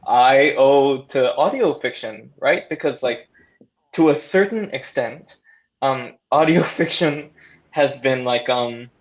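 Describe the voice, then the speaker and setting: A man speaking casually and chattily from a remote call as a panelist on audio fiction. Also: medium pitch. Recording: dull lo-fi online call.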